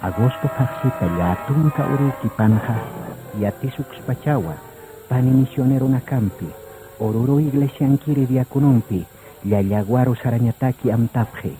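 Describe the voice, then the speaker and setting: A man's voice: mid-range voice, moderate pace, music in the background, poor audio. A man reading scripted, dramatic narration as the narrator of a Christian radio serial.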